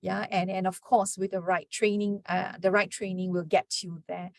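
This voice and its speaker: A woman guest speaker closing her webinar presentation, hesitant with many pauses and restarts. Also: fairly low pitch, little pitch movement, gravelly, dry recording, studio quality. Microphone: video call.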